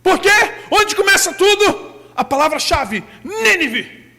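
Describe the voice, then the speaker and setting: A man with a Brazilian Portuguese accent preaching a sermon as pastor, breaking into loud shouted bursts. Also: extremely high pitch, sing-song, slow, long reverb tail.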